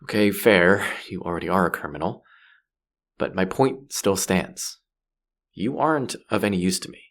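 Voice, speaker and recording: A man playing a gruff, sardonic space pirate who is grudgingly softening, in a scripted sci-fi audio roleplay spoken to the listener. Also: low-pitched, expressive, normal speed, full character voice. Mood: exasperated, defensive. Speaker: voice actor.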